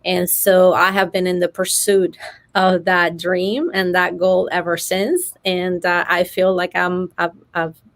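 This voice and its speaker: A woman's voice: fairly low pitch, level tone, a little slow. A middle-aged woman from Venezuela with a Venezuelan Spanish accent, telling her story earnestly and carefully as an interview guest. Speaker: podcast guest, motivational speaker.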